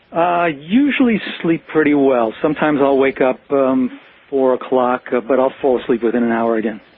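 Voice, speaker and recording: Over noticeable background noise, a man of medium pitch talks at a moderate pace with very even loudness and ordinary pitch variation. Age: 60s. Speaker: caller. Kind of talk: health question on call-in show. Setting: phone call. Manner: hesitant with many fillers.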